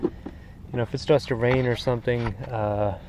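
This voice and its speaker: A man's voice: mid-range voice, moderate pace. A man casually showing off his kayak gear, rambling with plenty of fillers, recorded outdoors on the water with an action camera. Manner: relaxed, rambling, frequent "uh" fillers. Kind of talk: casual show-and-tell narration. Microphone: action camera mounted on the kayak. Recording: noisy outdoor camera audio with wind and water.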